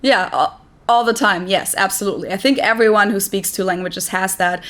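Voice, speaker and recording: A woman's voice: medium pitch, fairly quick. Chatty German woman in her twenties. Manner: relaxed, chatty, lots of "like" fillers and light laughs. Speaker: interview guest. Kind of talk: casual chat.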